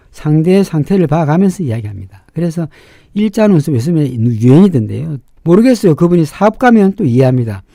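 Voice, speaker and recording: A middle-aged man speaks in a very dark, muffled-toned voice with a raspy edge. His pitch moves in lively swings as he explains and judges, leaning hard on key words. The recording is close and dry. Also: no echo. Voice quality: sharp-edged, raspy. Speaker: fortune-teller and face reader hosting a show. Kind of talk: informal explanatory commentary.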